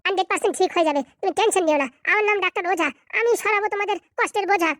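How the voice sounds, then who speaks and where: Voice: extremely high pitch, racing, a bit bright, no room sound, clean studio sound. A performer voicing a boastful male quack village doctor in a cartoon comedy, talking in smug, reassuring patter.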